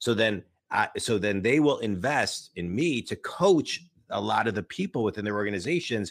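A man's unremarkable speaking voice, lively intonation at a moderate pace, on a very clean recording over a silent background. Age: 40s. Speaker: business coach. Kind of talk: podcast interview.

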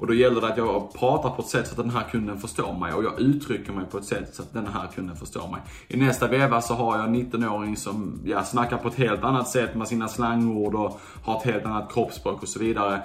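With music in the background and audible room echo, a man in a Scanian accent speaks fairly quickly with hardly any pauses, at a medium pitch and fairly even intonation. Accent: Scanian (Skåne) dialect. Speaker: YouTuber. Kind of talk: casual vlog monologue.

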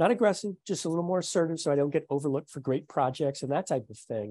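Fairly high in pitch, this man's voice has a dark, mellow tone. The recording is very clean with a silent background, and the sound is dry and close with no echo. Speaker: podcast host, communication skills teacher. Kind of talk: interview. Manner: fast talker.

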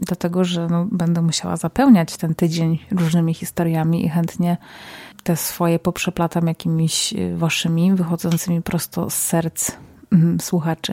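A woman's fairly low, monotone, flat voice at a moderate pace, with noticeable background noise. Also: dry, close sound with no echo. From Poland, Silesia (Zabrze). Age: 30s. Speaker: podcast host. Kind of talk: casual solo podcast talk.

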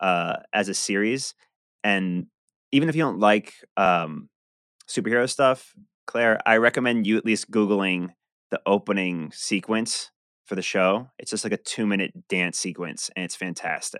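A man with an American accent speaks at a fairly low pitch and a moderate pace, with ordinary pitch variation and an unremarkable speaking voice. The sound is dry and close, with no echo. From Florida. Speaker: comedian and podcast co-producer. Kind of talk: casual chat.

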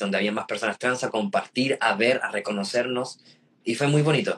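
Speaking at a moderate pace, a man with a medium pitch shows ordinary pitch variation. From Chile, raised from age seven, born in Puerto Rico. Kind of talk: interview. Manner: hesitant, repeats words.

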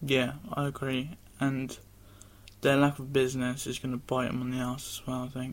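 A southern English accent at a moderate pace with monotone, flat intonation. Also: man, medium pitch for a man. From southern England, Southampton. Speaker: football podcast co-host. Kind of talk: casual chat.

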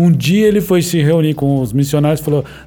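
A man's voice with ordinary pitch variation. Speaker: podcast host. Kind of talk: casual podcast chat.

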